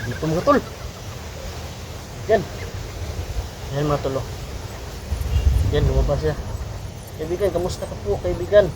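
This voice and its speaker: A man with a Filipino accent narrating a casual outdoor adventure vlog in a halting, repetitive way, addressing his viewers familiarly. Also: on the high side. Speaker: adventure vlogger and host. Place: outdoors in a windy, quiet spot. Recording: noisy outdoor recording with wind.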